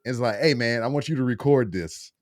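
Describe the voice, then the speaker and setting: A man's voice: brisk, no room sound. A man hosting a podcast in casual chat, laid-back and laughing often. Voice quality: deep voice. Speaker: podcast host.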